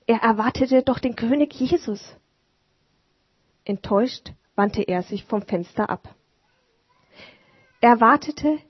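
A woman reading a storybook aloud in a calm, measured narration. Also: fairly high pitch, slightly rough, no room sound. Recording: dull lo-fi recording.

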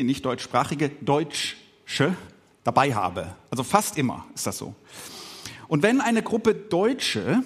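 A middle-aged man who grew up speaking Swiss German gives a reflective sermon as a pastor on a podcast, with pauses and filler sounds. His voice is on the high side with a breathy edge.

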